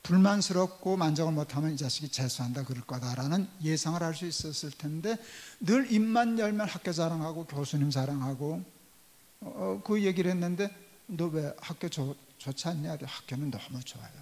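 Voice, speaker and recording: Older male pastor, somewhat high voice, storytelling sermon, long church reverb. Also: fairly quick, a little mellow. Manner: storytelling, acting out quoted dialogue. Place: church sanctuary.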